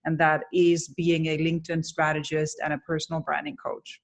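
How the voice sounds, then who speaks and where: A woman's voice: deep voice, normal speed. A woman, a business coach giving candid, emphatic interview answers. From Germany. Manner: energetic, candid, emphatic storytelling. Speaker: guest, personal branding coach.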